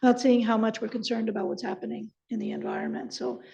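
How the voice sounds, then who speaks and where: A woman's voice: on the high side, wildly swooping pitch, fast, gravelly, warm tone. A woman city councillor with a Canadian accent who is losing her voice, speaking hesitantly and repeating words as she thinks aloud. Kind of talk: council meeting remarks. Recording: dull council room sound.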